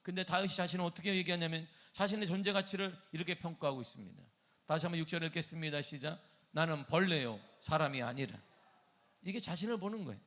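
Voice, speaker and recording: A male pastor preaching a sermon, reading scripture slowly and rising to impassioned pleading. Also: on the high side, bright, forceful tone.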